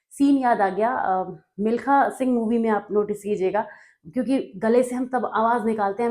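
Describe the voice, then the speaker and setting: A woman's voice: medium pitch, darkish tone. A woman from North India, working as a tutor, explains study notes in a conversational way and often checks in with her listeners.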